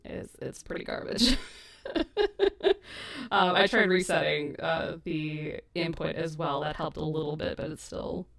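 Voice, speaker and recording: Gravelly-voiced woman chatting on a stream. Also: fairly low pitch, a bit bright. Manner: chatty, self-deprecating, laughs often. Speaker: audio drama creator and host. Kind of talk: casual editing livestream chat. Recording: echoey stream mic from a distance.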